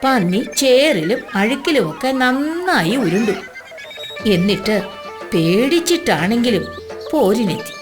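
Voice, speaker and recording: A woman's voice: fairly high pitch, big pitch swings, a little slow, over music. A woman storyteller giving scripted narration of a story for young children.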